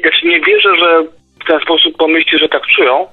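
A man's voice: a little high, wildly swooping pitch, fairly quick, husky. Insistent man on a tinny phone line. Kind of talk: casual debate. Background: music.

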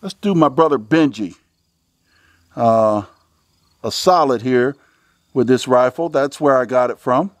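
A man's voice: mid-range voice, unhurried, pauses often, no room sound. A middle-aged American man hosting a shooting video outdoors, commenting casually to viewers in a folksy, exclamatory way. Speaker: host of a shooting range video channel. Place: outdoors at a covered shooting range.

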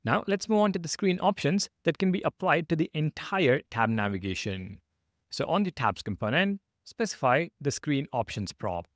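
A man's voice: a little high, big pitch swings, normal speed, dry recording, studio quality. A man narrating a step-by-step programming screencast as the instructor, in a methodical, instructional manner.

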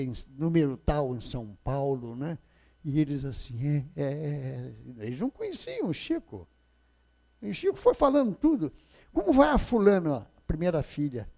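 A man's voice: a little high, creaky, mellow. An older man from Brazil with a Rio de Janeiro Portuguese accent, giving a public talk at a spiritist center and telling stories, often repeating key phrases and asking the audience questions, recorded by a far camera in a small indoor hall.

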